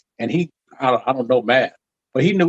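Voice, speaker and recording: A man with an ordinary speaking voice at a fairly quick pace, ordinary pitch variation, and a dry, close sound with no echo. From US, Detroit then South Central LA. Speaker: podcast host and teacher. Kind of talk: casual interview chat. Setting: own studio, remote conversation.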